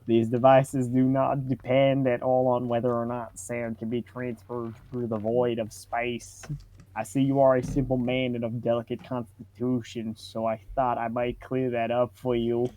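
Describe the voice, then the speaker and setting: A man voicing a pompous, condescending, well-read online debater in a comic reading, measured and sardonic with elaborate wording. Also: mid-range voice, level tone, mellow, a little hiss or hum, lightly acted, poor audio. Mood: mock-polite.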